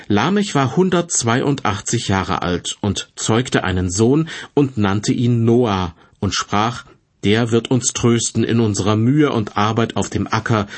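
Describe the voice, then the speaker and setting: A man with a slightly husky voice reads a scripted Bible teaching in a measured, formal, didactic manner. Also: medium pitch. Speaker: Bible teacher presenting a devotional broadcast. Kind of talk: scripted sermon-like narration, read aloud.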